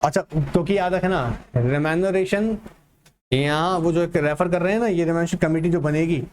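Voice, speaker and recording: High-pitched male tutor mixing Hindi and English. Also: a little mellow, a little hiss or hum. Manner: asks and answers his own questions, slows to read English text aloud; mixes Hindi with English terms. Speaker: online tutor. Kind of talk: exam-prep lecture.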